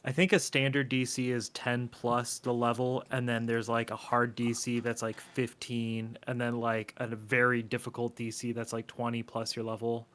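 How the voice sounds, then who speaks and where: Casting: male tabletop player, average pitch, casual explanatory chat about rules. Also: monotone, moderate pace, hardly any pauses, a bit bright.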